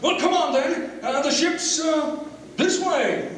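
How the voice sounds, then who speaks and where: A man's voice: extremely high pitch, slow pace, fairly bright tone, exaggerated voice. A man playing an anxious, wry and chatty robot onlooker in a live dramatic script reading. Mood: hesitant. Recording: echoey hall, far off, faint crowd.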